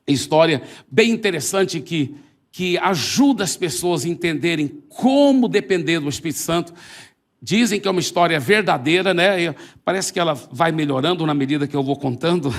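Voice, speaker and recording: A Brazilian man preaching a sermon, animated and expressive as he acts out the voices in his story. His voice sits high for a man. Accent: Brazilian Portuguese.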